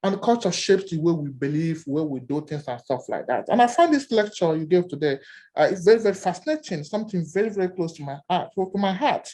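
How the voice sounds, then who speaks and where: Animated Nigerian-accented male academic. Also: sits high, a little fast, poor audio. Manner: animated, storytelling, many repeated words. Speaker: academic discussant. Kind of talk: seminar remarks.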